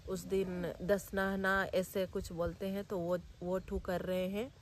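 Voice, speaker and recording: A young woman vlogger talking quietly and sadly, standing outdoors near family graves. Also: on the low side, little pitch movement, slight background noise. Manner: subdued, grieving, speaks slowly and softly. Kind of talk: personal vlog talk.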